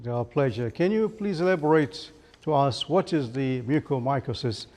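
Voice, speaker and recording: A man's voice: mid-range voice, expressive, moderate pace, darkish tone. A man puts formal questions as a news interviewer. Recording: long reverberant hall-like echo.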